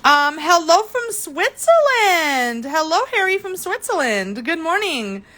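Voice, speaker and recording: A woman's voice: very high-pitched, big pitch swings, unhurried, pushed and bright. A young woman who grew up in Germany, chatting casually as she hosts a live jewelry-making demo, greeting viewers and often tripping over her words. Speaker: jewelry artist and livestream host. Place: indoor craft table.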